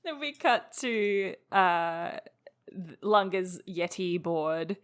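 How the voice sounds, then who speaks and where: A woman's voice: fairly low pitch, animated, extremely slow, noisy background. A woman co-hosting a podcast, chatting casually about an anime and laughing often. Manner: giggly, enthusiastic. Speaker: podcast co-host. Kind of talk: casual chat recapping an anime.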